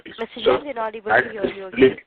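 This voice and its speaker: A woman's voice: a little high, fairly even intonation, fast, creaky, a crowd in the background. A woman moderating an earnings conference call as operator, in scripted announcements. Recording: narrow, distant phone line.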